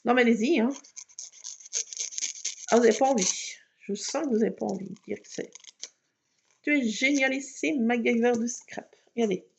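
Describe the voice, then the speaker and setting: Chatty woman hosting a home craft video, somewhat high and gravelly, joking at her own expense, muffled lo-fi sound. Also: moderate pace, pauses often, a little hiss or hum. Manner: chatty and playful, self-mocking. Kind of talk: casual crafting tutorial.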